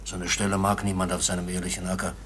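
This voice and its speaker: A stolid village farmer in a radio play, low and disapproving in tone. A little noise sits on the recording. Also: male voice, monotone, quick pace, a bit bright. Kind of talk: German radio play acting.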